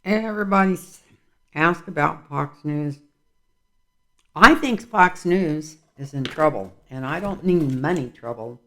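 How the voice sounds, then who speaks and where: A man's voice: a little high, slow pace, fairly bright tone. A man reading tarot cards in a casual vlog, rambling and musing aloud as he goes. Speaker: tarot reader.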